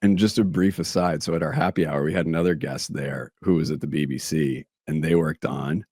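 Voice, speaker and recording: Male host, slightly raspy, loose and friendly-paced chat, dry close mic. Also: extremely low pitch, steady tone, a little fast, darkish tone, no echo. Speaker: podcast host. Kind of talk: casual interview chat.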